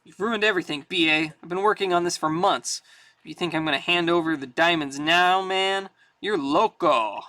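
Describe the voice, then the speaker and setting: Man voicing an undercover agent, indignant, exasperated, high bright voice. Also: moderate pace, no room sound. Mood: defiant. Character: male undercover agent, indignant and sharp-tongued.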